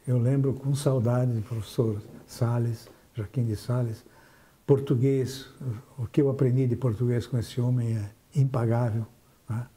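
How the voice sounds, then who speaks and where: An older man from southern Brazil with a very dark, mellow voice, reminiscing about his past as a TV interview guest. He speaks reflectively, restarting and trailing off as memories come back. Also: medium pitch. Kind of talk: recalling his life in an interview.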